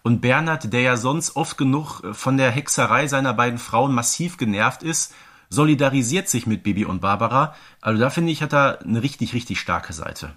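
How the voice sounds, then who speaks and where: A man with a mid-pitched voice co-hosts a fan podcast. He speaks informally and conversationally, discussing an audio drama series. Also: lively intonation, normal speed, fairly bright tone. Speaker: podcast co-host.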